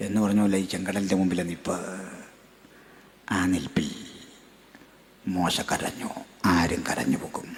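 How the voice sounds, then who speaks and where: A man preaching a sermon, telling a story in low, hushed tones and then building to loud, shouted climaxes. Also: vocal fry, slight background noise. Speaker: pastor.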